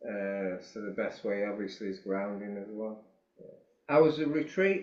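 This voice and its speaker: Recorded with audible room echo, a man speaks at a moderate pace in a fairly low pitch with ordinary pitch variation. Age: 50s. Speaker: guest in spiritual conversation. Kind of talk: casual chat.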